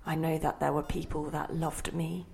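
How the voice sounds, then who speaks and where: An actress playing dementia as a grave, remorseful spirit in an audio play, speaking in a measured, intimate way. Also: female voice, low-pitched, little pitch movement, creaky, a little mellow. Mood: tender, sorrowful.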